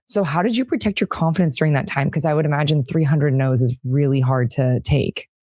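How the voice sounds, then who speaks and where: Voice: medium pitch, a little fast, dark tone, no room sound. Friendly interviewer with a dry, close sound. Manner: friendly and encouraging, laughing along. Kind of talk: casual interview conversation.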